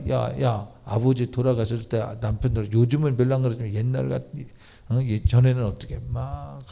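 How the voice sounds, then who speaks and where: A man's voice: mid-range voice, creaky, dark tone. A Korean pastor preaching an emphatic sermon in a church, often switching to blunt informal talk to address the congregation. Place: church sanctuary.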